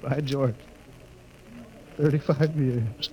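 An actor playing a stern, commanding rocket ship captain who is easily moved, in a 1950s radio drama. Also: male voice, mid-range voice, drawn-out words, heavy background noise. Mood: happy, fond. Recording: old 1950 radio broadcast recording.

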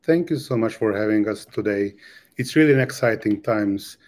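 A man's voice: fairly low pitch, normal speed, darkish tone. A man from Hungary with a Hungarian accent, an earnest startup founder answering interview questions in slightly non-native English.

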